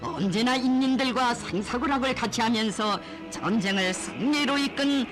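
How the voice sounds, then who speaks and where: A woman's voice: fairly high pitch, moderate pace. A woman with a North Korean accent reading scripted propaganda documentary narration in a solemn, reverent, emotive declamatory manner. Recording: music behind the voice. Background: music.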